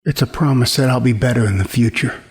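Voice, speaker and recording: A man's voice: medium pitch, fast talker, darkish tone, lightly acted. An actor playing a menacing, violent man who poses as a romantic suitor in a horror audio drama. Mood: pleading, insincere.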